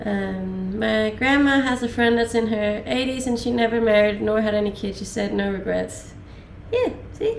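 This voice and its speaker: A woman talks at a moderate pace in a calm tone, with audible room echo and noticeable background noise. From Denmark. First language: Danish. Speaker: live streamer. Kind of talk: casual chat.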